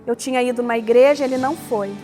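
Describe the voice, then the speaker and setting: A woman pastor with a São Paulo Brazilian accent tells her personal story in a high voice. She acts out conversations and prayers as she goes. Soft music plays faintly under her words. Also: fairly even intonation, fast. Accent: São Paulo state Brazilian Portuguese. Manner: storytelling, acting out dialogue and prayers. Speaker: pastor giving a testimony. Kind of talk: personal testimony.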